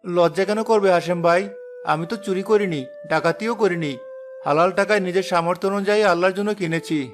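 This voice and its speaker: A man voicing a poor, devout village father in a cartoon, speaking earnestly and gently preaching. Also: high-pitched, fast talker, natural voice.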